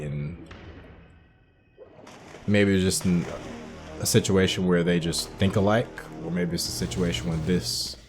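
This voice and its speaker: A man's voice: deep voice, a little mellow. A man hosting a gaming video, giving casual playthrough commentary in a musing, conversational way.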